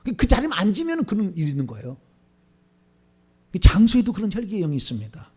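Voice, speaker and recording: A man's voice: sits high, huge pitch swings, fast, mellow, breathy edge. A middle-aged male pastor giving a sermon and leading a repentance prayer in a fervent, declamatory way, with surging emphasis.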